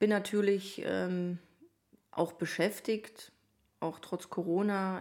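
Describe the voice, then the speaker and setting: This voice has a monotone, flat intonation. The recording is very clean, with a silent background. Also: woman. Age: 40s. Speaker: podcast host, single mother. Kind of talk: casual monologue.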